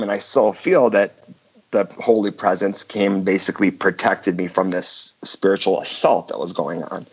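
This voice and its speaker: A man's voice: fairly low pitch, breathy edge. A male caller on a call-in show, recounting a story with many restarts and fillers. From Michigan, USA. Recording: dull phone-line call.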